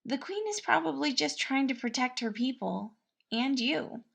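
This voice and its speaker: A sweet, eager young male cook played by a woman speaks in a raised, high voice. He is gentle and reassuring, bubbling along with small hesitations, in the manner of an audiobook fantasy tale. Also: expressive, moderate pace, creaky, exaggerated voice. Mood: earnest reassurance. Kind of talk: acted dialogue in fan-fiction audiobook.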